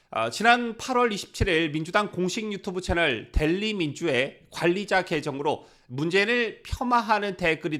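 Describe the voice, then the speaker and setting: A man presenting political news commentary, his voice sitting fairly high and swinging widely in pitch. He keeps turning to the viewers with rhetorical questions. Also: fairly bright tone.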